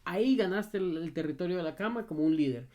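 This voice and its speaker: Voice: medium pitch, animated, fast, dark tone. Dog trainer, casual advice video: direct, emphatic, repetitive, checks in with "ok?". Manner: emphatic and repetitive, often asks "ok?"; talks straight to the viewer in familiar second person.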